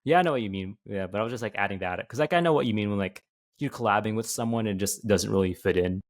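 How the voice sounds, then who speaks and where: A man with a fairly low voice, chatting casually on a podcast. His sentences wander and trail off, strung together with "like" and "yeah". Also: fast talker. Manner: loose, filler-heavy, trailing off. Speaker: podcast co-host and video creator.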